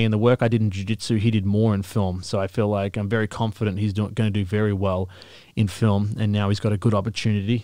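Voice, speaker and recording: Speaking at a very fast pace with an Australian accent, a man uses a fairly low pitch and a dark, mellow tone in a monotone, flat intonation, recorded very cleanly against a silent background. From Australia, Yarra Valley (rural Victoria). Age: 30s. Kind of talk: casual interview chat. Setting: studio.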